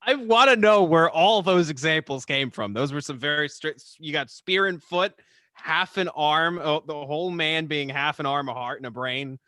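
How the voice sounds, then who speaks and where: Bright-voiced man in casual conversation. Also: a little high, moderate pace, no room sound. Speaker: podcast guest, storyteller and audio drama creator. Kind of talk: casual chat, explanatory.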